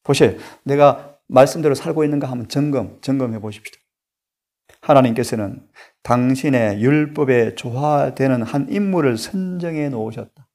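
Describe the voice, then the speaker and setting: A man preaching a sermon, emphatic and full of rhetorical questions to the congregation, swinging between loud stressed lines and hushed asides. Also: mid-range voice, moderate pace. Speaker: pastor and Bible study director.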